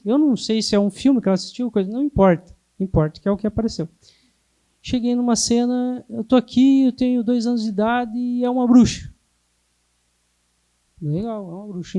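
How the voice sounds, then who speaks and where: A man teaching a hypnotherapy class in a calm, explanatory way. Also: sits high. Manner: calm, explanatory, sometimes acts out clients. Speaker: hypnotherapy instructor.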